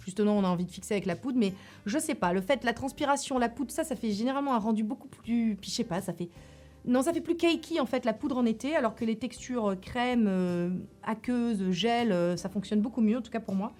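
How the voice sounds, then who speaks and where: A woman's voice: a little high, a little fast, darkish tone. A woman chatting casually on her beauty channel, enthusiastic, with many fillers and restarts. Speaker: beauty YouTuber. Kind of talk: casual product review chat.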